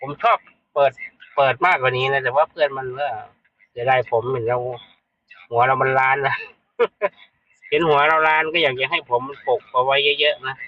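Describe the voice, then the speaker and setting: A man's voice: mid-range voice, steady tone, normal speed, dry recording, dull audio. Blunt chatty Thai man livestreaming. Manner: blunt, chatty, addresses viewers as brothers and sisters. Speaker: livestream host. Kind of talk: casual live-stream chat. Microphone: streaming setup.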